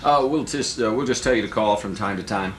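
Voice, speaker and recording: A man's voice: fairly low pitch, fairly quick. A man in his forties presenting music radio live on a close studio microphone, chatty with wry asides. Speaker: radio DJ on afternoon drive. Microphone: close broadcast studio microphone on boom arm.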